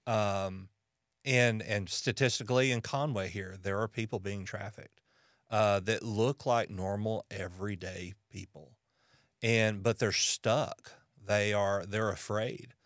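An American man from Arkansas in casual conversation as an interviewer, speaking thoughtfully and haltingly with pauses mid-sentence. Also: lowish voice, steady tone, a bit bright, no room sound, studio quality. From Arkansas, United States.

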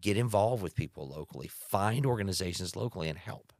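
Deep-voiced man, emphatic and opinionated. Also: lively intonation, a little fast, a little mellow, dry recording, clean studio sound. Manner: emphatic, opinionated, stresses key words with rhetorical questions and mimicked quotes. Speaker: guest speaking on anti-trafficking work. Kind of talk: impassioned interview talk.

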